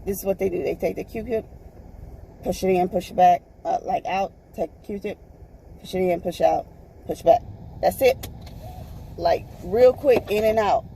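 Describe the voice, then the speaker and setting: A woman with a raspy voice, chatting to viewers from her car in a rambling, chatty way. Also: medium pitch, moderate pace, long pauses, mellow, a little hiss or hum, rough recording. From Texas, US. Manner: rambling, chatty, calls viewers y'all and honey. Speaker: vlogger. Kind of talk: casual chat to viewers while driving. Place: in a parked car.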